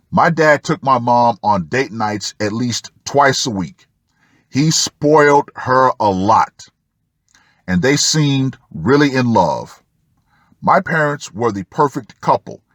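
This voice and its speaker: Slow, deliberate man with animated delivery. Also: medium pitch, dry recording, clean studio sound. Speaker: host of an online commentary show. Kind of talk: reading a post aloud with commentary.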